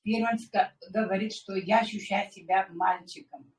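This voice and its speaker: A woman's voice: mid-range voice, fairly even intonation, normal speed. A woman in her sixties giving a chatty personal testimonial at a meeting, dropping frequent filler words. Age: 60s. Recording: echoey room, distant mic.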